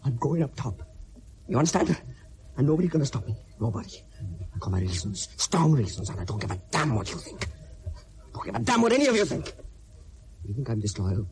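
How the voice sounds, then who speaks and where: An actor playing a desperate young miner, defiant and stammering under strain. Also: male voice, medium pitch, expressive, brisk, noisy background, natural voice. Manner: defiant, then breaking, stammering. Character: desperate young male miner, torn and emotional.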